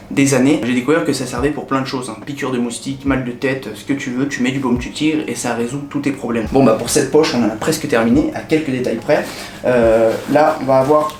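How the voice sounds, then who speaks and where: A young French man in a casual vlog, chatting directly to the viewer in a relaxed way with many hesitations. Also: mid-range voice. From France. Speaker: vlogger. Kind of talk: casual talk to camera. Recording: echoey room with faint ambient noise.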